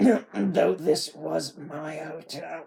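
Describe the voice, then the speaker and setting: Someone uses a raspy, put-on character voice at a middle pitch. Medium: read story. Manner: slurred, weary.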